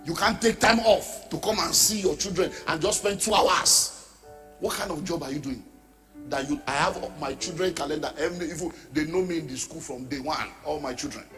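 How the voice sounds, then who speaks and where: A middle-aged man, preaching a sermon as a pastor, forceful and rising to shouts. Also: on the high side, moderate pace. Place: church or large hall. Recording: reverberant hall with background music.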